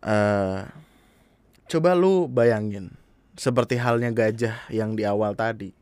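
A man's voice: fairly low pitch, slow pace, darkish tone, clean tone, no echo. A young man, earnestly commenting in a casual monologue, speaking straight to his listeners. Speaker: podcast host.

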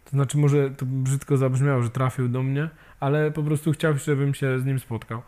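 A man speaks as an interview guest, casual and unpolished. His voice sits at an ordinary middle pitch, and he stumbles through restarts and fillers, often ending his thoughts with a quick tag question. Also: level tone, warm tone. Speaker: guest, amputee peer support volunteer.

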